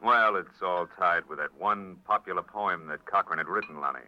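A man playing a wry, world-weary private detective in a 1940s radio drama, speaking in terse, measured phrases. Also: deep voice, close to an everyday voice. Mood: explaining, wry. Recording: muffled vintage radio recording, faint music.

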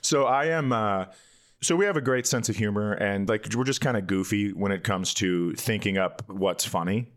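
A man's voice: fairly low pitch, normal speed. A man who hosts a comedy podcast, telling casual, self-mocking stories and giggling through them. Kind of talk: casual comedic banter and storytelling.

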